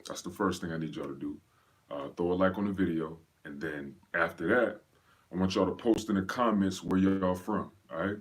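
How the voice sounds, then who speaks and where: A low-pitched man speaks at a moderate pace while casually hosting a live fitness Q&A. Originally from Pennsylvania and raised in North Carolina, he greets viewers by name in a slangy, laid-back livestream chat.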